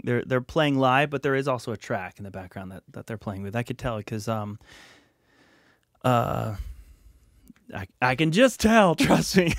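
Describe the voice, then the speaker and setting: A man's voice: medium pitch, no room sound. A man in his thirties hosting a music reaction video in a small home studio, chatty and rambling with lots of fillers. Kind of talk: casual reaction commentary. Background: faint music playing.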